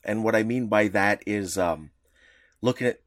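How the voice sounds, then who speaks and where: A man co-hosting a casual podcast, explaining in a rambling, halting way full of restarts. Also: on the low side, dry recording, clean studio sound. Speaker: podcast co-host.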